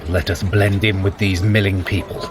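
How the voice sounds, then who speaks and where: An actor playing a sardonic, scheming god in an audio drama, speaking formally with wry, cool command. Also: male voice, deep voice, level tone, moderate pace, background noise, lightly acted. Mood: urgent, commanding.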